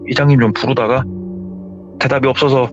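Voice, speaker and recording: A man voicing a shaken middle-aged man in a retold horror story, swinging from hushed dread to sudden shouting. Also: mid-range voice, fairly even intonation, brisk, lightly acted. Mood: uneasy. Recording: dull lo-fi with faint music.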